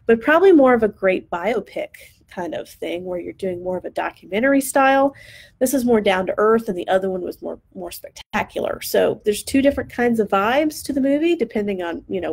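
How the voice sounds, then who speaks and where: A woman's voice: mid-range voice, vocal fry, a little mellow, slightly rough. A woman in her thirties giving a live critique of student posters, chatty and enthusiastic, her voice tired and starting to crack. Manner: chatty, enthusiastic, thinking aloud. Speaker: design instructor reviewing student posters. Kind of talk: live-stream design critique.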